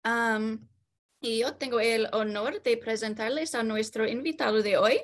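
Halting woman with an English-speaker's Spanish accent. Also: fairly high pitch. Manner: halting, stumbles over long words. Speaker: board member introducing a speaker. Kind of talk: reading a formal introduction. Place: indoors on a video call.

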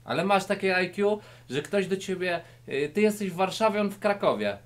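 A man giving a comedic mock martial-arts lesson to camera, mock-serious and lecturing the viewer directly, swinging between loud and quiet delivery, in a low-ceilinged indoor room. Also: lively intonation, fairly quick. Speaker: YouTuber.

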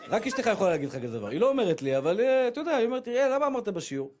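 Brief: male rabbi, high-pitched, lively joking preacher who mimics the people in his stories. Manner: animated storytelling, acts out voices of women and his wife. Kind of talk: humorous sermon.

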